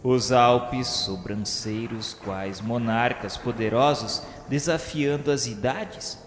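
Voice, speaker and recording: A man narrating a radio novel in a solemn, grandiloquent, declamatory literary style. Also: mid-range voice. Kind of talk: scripted dramatic literary narration. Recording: echoey hall with faint music. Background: faint music.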